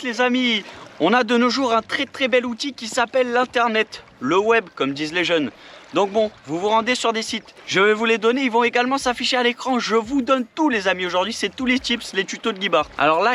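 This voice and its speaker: A man's voice: extremely high pitch, a bit bright. A man giving upbeat, jokey tips in a casual vlog, talking to viewers as friends. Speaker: vlogger giving job tips.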